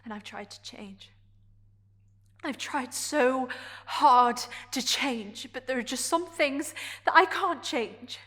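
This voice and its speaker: A woman performing a dramatic stage monologue as a vulnerable, defiant gay woman confronting a partner, in halting, emotionally charged phrases. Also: mid-range voice, fairly even intonation. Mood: hurt, defiant.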